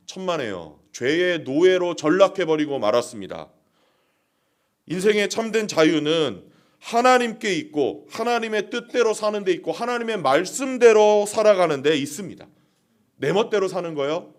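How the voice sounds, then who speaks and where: A male pastor preaching a sermon, who keeps asking his congregation questions and plays out short dialogues. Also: high voice.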